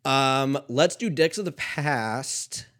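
A man in his thirties hosting a casual solo comedy podcast, rambling and swearing, often dropping to a mumble before jumping to loud quips. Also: medium pitch, slow pace, a little hiss or hum. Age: 30s. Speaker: podcast host.

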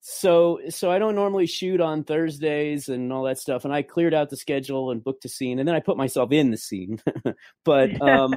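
A man's voice: a little high, moderate pace, darkish tone, no room sound, clean studio sound. A man speaking as a podcast host, telling stories and introducing a guest in effusive, emphatic conversational phrasing. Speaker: podcast host and adult film producer.

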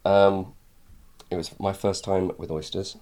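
A man, an author, chatting casually on a podcast, telling lively anecdotes with many pauses and ums. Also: low-pitched. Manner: animated storyteller, many ums. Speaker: author guest.

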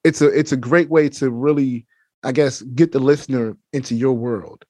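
A man's voice: mid-range voice, fairly even intonation, moderate pace, warm tone, no echo. A man hosting a podcast from his home studio, talking enthusiastically and repeating himself as he addresses the listeners as family. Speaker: podcast host. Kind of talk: casual podcast interview.

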